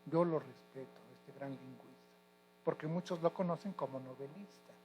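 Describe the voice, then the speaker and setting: A man in his sixties from Mexico, a retired high school teacher answering interview questions in an emphatic, lecturing way. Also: moderate pace, a little mellow, a little hiss or hum, poor audio. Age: 60s. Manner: emphatic, lecturing, corrects pronunciation.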